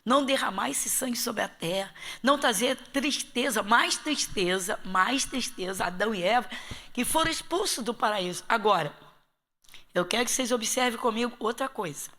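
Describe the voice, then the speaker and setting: A Brazilian woman pastor from Rio de Janeiro, with a Rio Portuguese accent, teaches a Bible study class. Her voice is fairly high, bright and brisk, with lively intonation, and her emphatic style is full of rhetorical questions aimed at her listeners.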